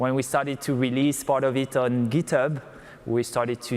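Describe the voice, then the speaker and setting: A man speaks with a French accent at a medium pitch. His pace is moderate. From France. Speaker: tech startup co-founder. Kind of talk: onstage interview. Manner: hesitant, many fillers.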